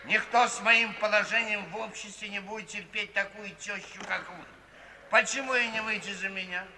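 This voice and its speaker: Coarse, high-voiced blustering baronet. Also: male voice, steady tone, moderate pace. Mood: pushy, cynical. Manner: blustering, pushy. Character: coarse, cynical rich baronet in his late forties. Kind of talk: 1950s Soviet radio play acting. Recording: distant, reverberant 1950s recording with hiss.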